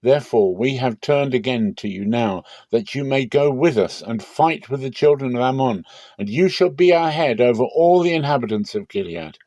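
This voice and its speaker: A man's voice: mid-range voice, lively intonation, moderate pace, dark tone, dry recording, natural voice. A man voicing an earnest, pleading tribal elder in a dramatic Bible reading, solemn and urging.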